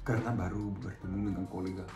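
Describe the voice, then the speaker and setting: Joking man with a deep voice. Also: flat delivery, fast talker, darkish tone, faint music behind. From Switzerland. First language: not Indonesian. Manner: joking, often breaks into sing-song. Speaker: vlog co-host. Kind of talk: playful casual chat. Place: home room. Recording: echoey room.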